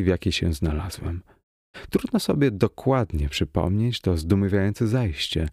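A man with a low, gravelly voice reads a first-person horror tale with mounting tension. The sound is close and completely dry, with no room around it. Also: dry recording. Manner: tense, expressive, rising to cries in the quoted lines. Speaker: audiobook narrator. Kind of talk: dramatic reading of a first-person horror story.

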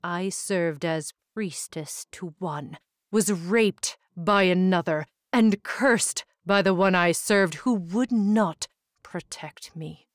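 A woman voicing a cursed female gorgon with snakes for hair, speaking soft, low and menacing. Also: slow, dry recording, clean studio sound. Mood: bitter.

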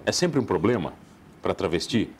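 A man hosting a TV talk show, prompting his guest with quick questions. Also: deep voice, sing-song, breathy edge. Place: TV studio.

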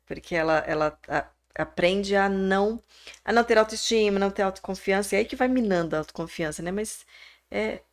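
A woman's voice: medium pitch, fairly quick. A woman with a Brazilian Portuguese accent, co-hosting a casual podcast chat and chiming in to complete and echo the guest's points.

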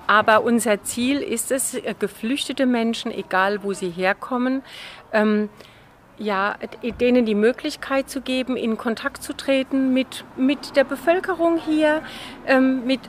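Woman organizer, higher voice, hesitant with fillers, faint noise behind. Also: a little slow. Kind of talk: interview explanation.

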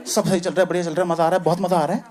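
A man performing stand-up comedy, telling a self-mocking story in an animated way. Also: high-pitched, rapid-fire. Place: comedy stage. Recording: live show with loud crowd laughter.

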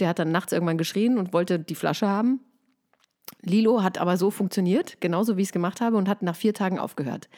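A woman in her thirties co-hosting a casual chat, telling a story in a lively way and acting out the people she quotes. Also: mid-range voice. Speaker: podcast co-host.

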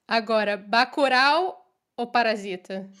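A woman's voice: fairly high pitch, takes it slowly, a bit bright. A woman with a Brazilian Portuguese accent, hosting a casual interview. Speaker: interviewer, host.

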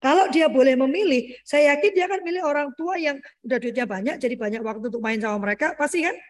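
A middle-aged woman speaking as a parenting guest in a casual interview, animated and explanatory, often ending her points with "gitu ya" and addressing the host as "Pak". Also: sits high, quick pace. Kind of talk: conversational interview talk.

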